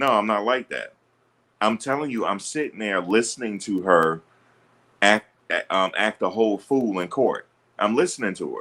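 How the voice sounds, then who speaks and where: Moderate pace from a man with a fairly low pitch, ordinary pitch variation, and long, frequent pauses. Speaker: livestreamer responding to chat. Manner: assertive, confident.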